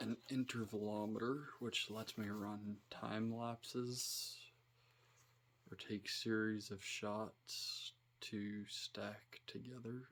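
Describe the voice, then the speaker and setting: Soft-spoken, the speaker talks at a very slow pace. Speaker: ASMR creator and photographer. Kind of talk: ASMR show-and-tell.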